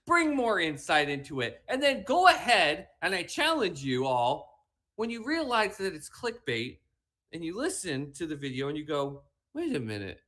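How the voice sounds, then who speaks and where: A man's voice: fairly high pitch, huge pitch swings, normal speed, bright, forceful tone. A man co-hosting a sports talk show, lecturing emphatically and repeating his points, with a whiny, slightly mushy voice. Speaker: podcast co-host. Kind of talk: animated sports talk rant.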